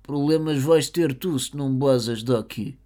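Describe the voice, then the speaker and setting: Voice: mid-range voice, measured pace, dark tone, close to an everyday voice. A comedian voicing a schoolyard bully who makes curt threats. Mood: threatening.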